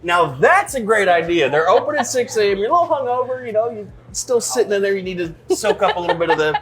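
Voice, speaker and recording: A man's voice: sits high, animated, fast talker, a bit bright, a little hiss or hum. A man hosting a food show in a diner, chatting enthusiastically and joking while he eats. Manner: enthusiastic, jokey, talks while eating. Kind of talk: casual food tasting chat.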